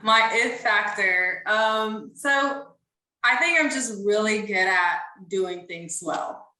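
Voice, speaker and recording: Young woman, from Ethiopia, podcast guest, earnest and chatty, bright voice, roomy echo. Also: medium pitch, animated, takes it slowly. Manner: earnest, with frequent fillers like "um" and "like". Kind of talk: casual interview answers.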